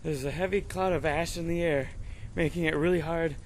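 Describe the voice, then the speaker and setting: Man acting as a wary young student survivor, slightly high-voiced. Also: steady tone, brisk, close to an everyday voice. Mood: tense, cautious. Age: young adult. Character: wary, frightened young male student surviving a zombie outbreak. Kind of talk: amateur horror radio drama acting. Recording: noisy amateur radio drama recording.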